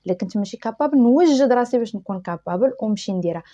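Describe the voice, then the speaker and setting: Moroccan woman youtuber, talks super fast n punchy straight at you, kinda high voice. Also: lively intonation, dark tone, muffled recording. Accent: Moroccan Arabic. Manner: rapid, emphatic, addresses the viewer directly. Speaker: YouTuber giving advice. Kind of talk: direct-to-camera advice talk.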